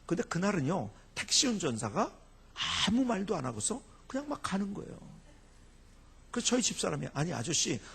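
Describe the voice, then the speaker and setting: A man's voice: high-pitched, fairly quick, gravelly, slightly rough. A middle-aged man from Chungcheong in South Korea, a pastor telling humorous stories in a revival sermon and mimicking people as he goes. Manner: animated storytelling, mimics dialect and quotes. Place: church sanctuary.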